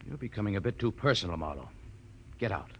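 A man's voice: fairly low pitch, big pitch swings, fast, lo-fi sound, slight background noise. An actor playing a guarded, haughty businessman in a 1940s radio detective drama, speaking in a stiff, testy, formal way. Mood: testy, indignant.

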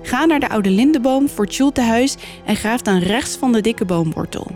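A woman's voice: fairly high pitch, lively intonation, normal speed, a little mellow, faint music behind, voice pushed up, close to an everyday voice. A woman voicing a restless male church ghost who gives firm instructions. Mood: commanding.

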